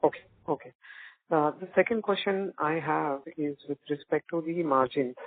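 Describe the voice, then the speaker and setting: Analyst guy on a tinny phone, kinda high and croaky, halting questions. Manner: hesitant, halting. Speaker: financial analyst. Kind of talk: questioning on an earnings call. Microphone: phone call.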